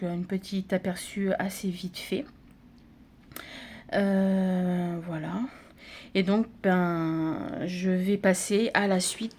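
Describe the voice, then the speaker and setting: Slow, hesitant woman crafting vlogger. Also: on the low side, darkish tone. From France. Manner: hesitant, many fillers and restarts. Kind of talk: casual unboxing narration.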